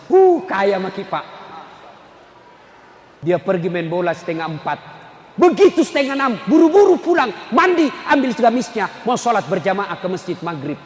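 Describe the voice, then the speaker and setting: A man preaching a sermon, lively, acting out everyday scenes and dropping to a hush for prayers. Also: high-pitched. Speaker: Islamic preacher. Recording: roomy hall reverb with faint noise.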